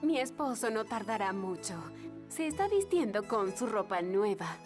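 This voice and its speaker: Woman as a gracious, animated fairy queen. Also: mid-range voice, normal speed, close to an everyday voice. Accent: Latin American Spanish. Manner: polite, regal. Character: gracious, genteel fairy queen, polite hostess. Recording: music behind.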